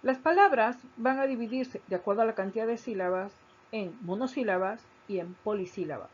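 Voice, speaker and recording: A woman teacher giving a recorded grammar lesson, explaining slowly, stressing key syllables and repeating her points. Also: mid-range voice, husky. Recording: dull lo-fi recording.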